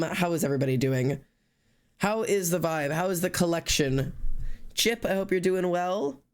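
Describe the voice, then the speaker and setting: A livestream host with a stuffy, sniffly nose chats casually while drawing, greeting and thanking chatters by name and rambling loosely with fillers and restarts. His voice is fairly high, smooth and darkish.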